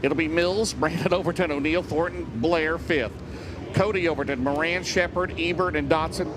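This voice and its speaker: A man's voice: a little high, steady tone, moderate pace. A man doing play-by-play as a motorsport commentator, calling a live race in short punchy phrases. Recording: vehicle noise behind the voice. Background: race cars outdoors.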